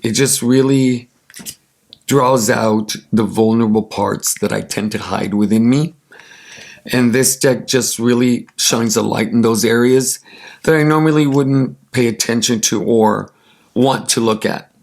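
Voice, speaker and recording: A raspy man with allergies, casually chatting and enthusiastically showing off tarot cards, with many ums and uhs. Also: mid-range voice, fairly even intonation, measured pace, darkish tone. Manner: gushing, enthusiastic, with many fillers. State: congested from allergies. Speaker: tarot deck reviewer.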